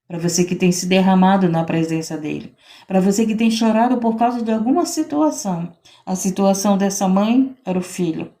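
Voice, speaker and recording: A woman missionary with a low, dark voice preaches a fervent sermon. She exhorts repetitively, repeating phrases and building her emphasis higher and higher.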